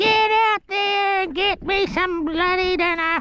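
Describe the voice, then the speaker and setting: A female-sounding voice uses a put-on character voice. It is extremely high-pitched and fairly slow. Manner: bossy, demanding.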